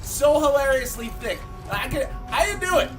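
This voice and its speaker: A male podcast host tells rambling comic stories, full of swearing and big pitch swings. His voice runs high and very expressive. He sits well back from the mic, and loud music plays under him. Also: moderate pace, far from the mic. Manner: profane, animated storytelling. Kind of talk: casual comedic chat.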